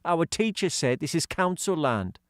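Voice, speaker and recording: Determined young boy acted by a man, earnest, raised pitch, storybook adventure, close dry sound. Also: sing-song, moderate pace, no echo. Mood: confused. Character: earnest, bewildered, determined schoolboy.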